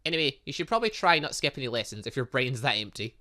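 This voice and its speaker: A man's voice: medium pitch, very animated, quick pace, sharp tone. A man voicing a cheeky, blunt young female student who teases and lectures, in a visual novel game. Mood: blunt, teasing. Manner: teasing, lecturing.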